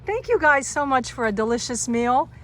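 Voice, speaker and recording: A woman's voice: high-pitched, lively intonation, normal speed, fairly bright tone, slight background noise. A chatty woman hosting a casual campground interview, given to exclaiming as she asks questions. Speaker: vlogger interviewer. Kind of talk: casual on-camera interview chat.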